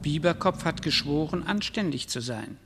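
Official announcer chronicler, highish male voice, declaiming facts in a big reverby hall, radio drama. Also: animated, moderate pace, a bit bright, slight background noise. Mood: solemn. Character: impersonal chronicler reciting reports and verdicts. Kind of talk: formal announcer-like radio play narration.

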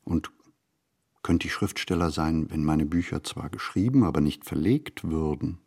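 An actor playing a reflective writer in a literary radio play, speaking his monologue in measured, deliberate phrases. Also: extremely low pitch, vocal fry, darkish tone, slightly rough, full character voice. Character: reflective male writer musing on writing and society. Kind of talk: literary radio play monologue, scripted first-person narration.

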